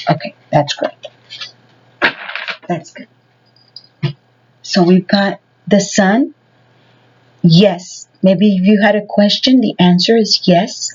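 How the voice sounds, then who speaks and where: A woman's voice: on the low side, lo-fi sound, slight background noise. Rambling woman giving a tarot reading. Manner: rambling, many "you know" fillers. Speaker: tarot reader. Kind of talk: casual tarot reading to viewers.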